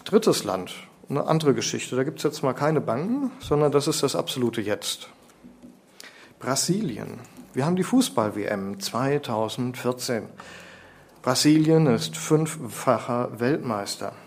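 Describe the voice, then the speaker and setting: A man's voice: mid-range voice, lively intonation, a little slow, vocal fry, a little mellow. Man giving a sermon, asks questions then answers them, leans on key words. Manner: rhetorical questions, emphatic lecturing. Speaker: preacher.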